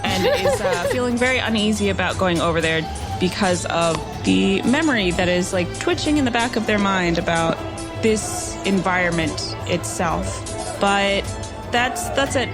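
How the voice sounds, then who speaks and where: Female tabletop player, casual improvised telling, middle pitch, clear music behind. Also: sing-song, unhurried.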